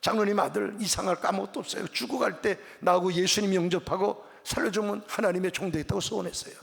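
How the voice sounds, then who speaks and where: High-voiced gravelly man preaching. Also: fast. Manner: animated storytelling, acts out dialogue. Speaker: pastor. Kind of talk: revival sermon with storytelling. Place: church sanctuary. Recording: reverberant church hall.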